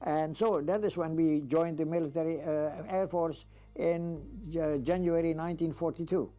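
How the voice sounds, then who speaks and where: An older man, from the Indies, telling his wartime story in a steady, plain way. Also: fairly high pitch, moderate pace, soft background music. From Dutch East Indies. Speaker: veteran interviewee. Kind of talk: interview recollection.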